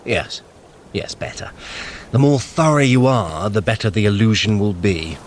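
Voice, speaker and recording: An actor playing a clever, sly, haughty trickster god in an audio drama, with an arch, theatrical, condescending manner. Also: male voice, fairly low pitch, lively intonation, normal speed, a little hiss or hum, natural voice. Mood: dry, instructing. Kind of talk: scripted audio drama acting.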